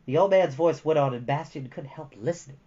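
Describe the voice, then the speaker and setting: A man reading a storybook aloud as host, with expressive narration and the odd casual aside. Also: fairly high pitch, a little fast, lo-fi sound.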